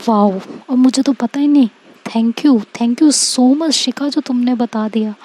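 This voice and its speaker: A woman's voice: on the high side, slow, darkish tone. A woman voicing a jealous, bossy young woman who talks to her girlfriend with sarcasm and demands.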